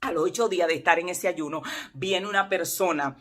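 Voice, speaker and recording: A woman's voice: lowish voice, fairly quick. A woman pastor tells her testimony as a sermon. She speaks with passion and leans hard on her key words. She keeps turning straight to her listeners to press each point home. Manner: impassioned, emphatic, addresses listeners directly.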